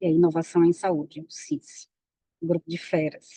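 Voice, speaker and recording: A woman speaks at a fairly slow pace with a strong Pernambuco accent, her voice dry and close with no echo. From Pernambuco, Brazil. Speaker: physician and speaker on health AI. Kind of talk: lecture.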